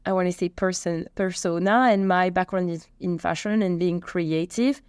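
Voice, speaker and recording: A woman in her thirties from Belgium with a Belgian accent, chatty and animated as she answers interview questions. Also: lowish voice, moderate pace, smooth, no room sound, studio quality. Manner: chatty, animated storytelling with restarts. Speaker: company co-founder and CEO.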